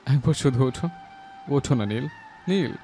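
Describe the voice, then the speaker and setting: A man playing an anguished young man in an audio story, pleading through overwhelming grief in a gravelly voice. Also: medium pitch, expressive, normal speed, dark tone, faint music behind, lightly acted. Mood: tearful pleading. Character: grief-stricken young man pleading with his dead beloved. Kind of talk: dramatized audio story acting.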